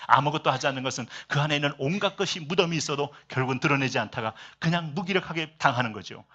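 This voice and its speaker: Bright-voiced Korean pastor preaching emphatically. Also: male voice, mid-range voice, dull audio. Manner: emphatic preaching with rhetorical questions and swings between loud and soft. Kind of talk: sermon. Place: church service.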